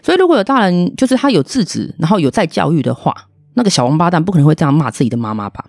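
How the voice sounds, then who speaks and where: A woman's voice: sits low, big pitch swings, racing, a little mellow, no room sound. A woman, a podcast host telling a story in a blunt, indignant, ranting way. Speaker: podcast host, restaurant owner. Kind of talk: casual storytelling monologue.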